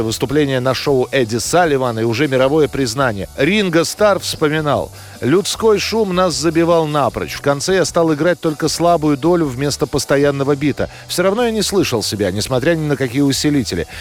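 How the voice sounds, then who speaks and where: A man presenting a history programme, reading scripted documentary narration. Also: mid-range voice. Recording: music under the voice. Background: background music.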